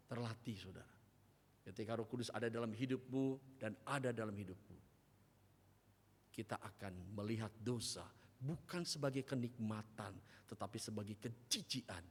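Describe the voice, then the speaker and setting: A male pastor preaching a sermon, swinging from loud emphatic peaks to quiet storytelling. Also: lowish voice, normal speed, slight background noise. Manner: preaching with sudden loud rises and soft storytelling drops; acts out voices in an anecdote. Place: church. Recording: reverberant church hall.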